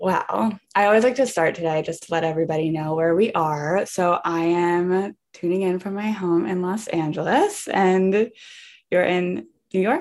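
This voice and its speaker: On a very clean recording with a silent background, the delivery is moderately paced, shows ordinary pitch variation, and has a plain, everyday voice. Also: woman, medium pitch for a woman. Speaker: podcast host. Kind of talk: casual chat.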